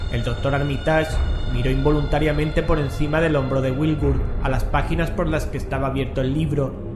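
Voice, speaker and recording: A man narrates a scripted horror tale in a fairly high voice. The sound is echoey, with prominent music behind him as he tells the story. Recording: echoey voice over loud music.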